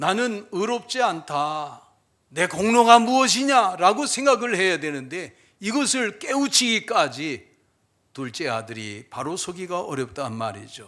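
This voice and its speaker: A man's high-pitched voice with a bright, sharp tone and very wide pitch swings at a fairly slow pace, in a very clean recording with a silent background. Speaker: pastor. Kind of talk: sermon. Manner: conversational, with fillers.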